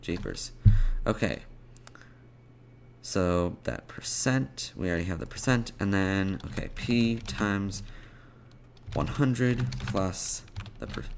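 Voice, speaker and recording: A man presenting an unscripted programming tutorial, thinking aloud in a halting way as he types out code. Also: low voice, gravelly, slight background noise.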